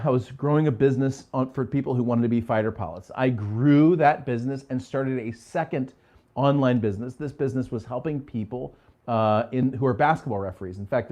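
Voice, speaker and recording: A middle-aged man talks through business lessons from his home office. He tells them as stories to a live audience. He sounds relaxed, often asks "okay?", and speaks at a medium pitch. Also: muffled recording. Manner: conversational, checks in with "okay?". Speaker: business coach.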